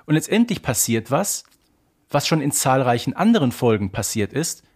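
Guy on a podcast, bit raspy, really animated, mock exasperated ranting. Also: mid-range voice, moderate pace. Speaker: podcast co-host. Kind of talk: casual discussion of an audio drama series.

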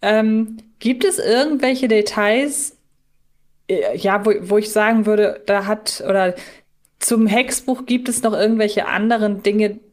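A woman hosting a podcast, talking casually and reflectively as she thinks aloud through the discussion. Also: a little high. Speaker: podcast host.

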